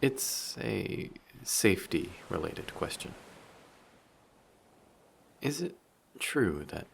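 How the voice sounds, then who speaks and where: A deep male voice with a creaky edge, a man playing a handsome sea monster passing as human in a roleplay drama. He is courteous and formal, yet vain and teasing, flirting with easy self-assurance. A faint noise sits behind him. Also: sing-song, very slow, exaggerated voice. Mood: teasing, curious. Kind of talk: scripted roleplay audio drama.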